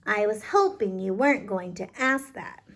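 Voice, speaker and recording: A woman's voice: mid-range voice, moderate pace, lightly acted. A woman voicing an exasperated, know-it-all cat in a picture book, with emphatic singsong rhymes. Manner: emphatic, singsong rhyming delivery.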